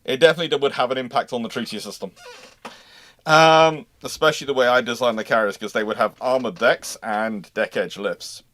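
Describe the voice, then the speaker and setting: A man with a medium-pitched voice answers viewer questions on a casual live stream. He explains like an expert, repeating and rephrasing as he goes. The sound is dry and close. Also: a bit bright, no room sound. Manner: halting, repeats and rephrases phrases mid-thought.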